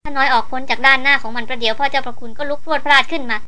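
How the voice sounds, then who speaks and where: A bold young heroine who calms a wild elephant, as a woman narrator reads her lines. She speaks softly and coaxingly in a high, bright voice, at a quick pace. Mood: explaining. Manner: soft, soothing, coaxing.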